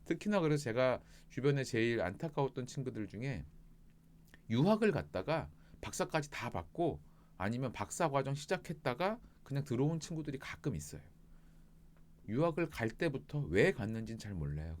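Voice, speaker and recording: A middle-aged male coach talks casually and at length, his pitch swinging widely as he goes. He is chatty, moving from joking asides to earnest advice. He sits at a mid pitch for a man. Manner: chatty and animated, jumps between jokes and earnest advice. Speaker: life coach. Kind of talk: casual reflective talk to viewers.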